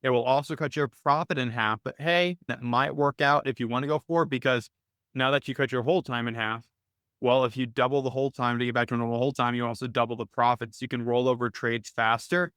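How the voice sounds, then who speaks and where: A man's voice: mid-range voice, fairly even intonation, a little fast, fairly bright tone, smooth, dry recording. A man hosting a weekly live call, talking casually and thinking aloud with frequent "right?" tags and small restarts, close to his mic. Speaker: host of a weekly trading call.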